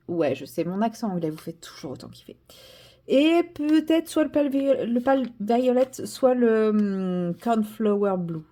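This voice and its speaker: A woman's voice: a little high, dark tone. A French woman chatting casually as she colors at her desk, self-mocking, sometimes dropping to a whisper, recorded by a camera on a tripod. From France. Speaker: vlogger. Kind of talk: casual vlog while coloring. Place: indoors at a desk.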